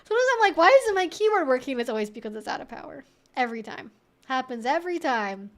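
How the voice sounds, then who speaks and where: A woman's voice: high voice, big pitch swings, quick pace. A woman hosting a casual Q&A livestream, talking in a chatty, rambling way full of informal asides. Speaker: livestream host answering viewer questions.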